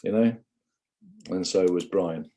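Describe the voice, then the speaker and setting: A man's voice: sits low, slow pace, warm tone. A man from England giving a rambling, impassioned livestream monologue, often calling viewers "guys".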